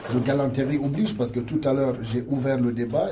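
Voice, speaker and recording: A man talks at a very fast pace with audible room echo and noticeable background noise. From Guinea. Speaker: debate contestant, journalism-trained. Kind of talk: competitive debate. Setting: radio studio.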